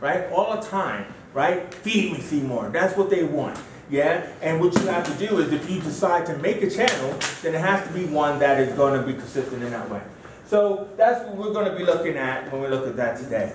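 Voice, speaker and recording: Over noticeable background noise and audible room echo, a man with a high pitch talks at a fairly quick pace. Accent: American. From United States. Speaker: media teacher and filmmaker. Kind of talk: lecture. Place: classroom. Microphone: camera far.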